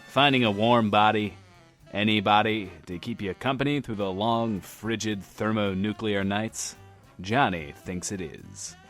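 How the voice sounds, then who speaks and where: Smug wasteland radio DJ, music behind. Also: male voice, fairly low pitch, unhurried, a bit bright. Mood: brash, grandstanding. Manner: smug, theatrical, wry, refers to himself by name. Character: brash, self-loving radio DJ of a post-apocalyptic wasteland. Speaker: radio host. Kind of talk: in-world radio show monologue, showman patter.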